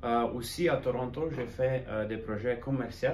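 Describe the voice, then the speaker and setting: A man's voice: medium pitch, moderate pace. Italian-accented man in an echoey room. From Italy. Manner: brief answers, non-native French mixed with English terms. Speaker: guest, interior designer. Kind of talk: conversational interview answers. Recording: roomy echo, noticeable background noise.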